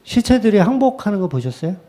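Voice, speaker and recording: A male pastor preaching a sermon in a lively way, slipping into quick acted asides. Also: high-pitched.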